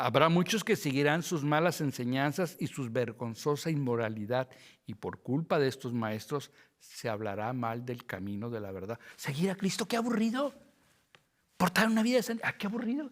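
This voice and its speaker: A man speaks in a Mexico City accent with an animated tone. His pitch swings very widely. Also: fairly high pitch for a man, moderate pace. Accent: Mexican Spanish (Mexico City). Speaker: pastor and Bible teacher. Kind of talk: Bible study teaching. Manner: animated, conversational.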